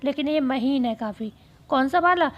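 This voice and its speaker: A woman teacher going through exam questions, speaking slowly and repeating key phrases so students can write them down. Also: sits high, lo-fi sound. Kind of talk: exam-prep lesson.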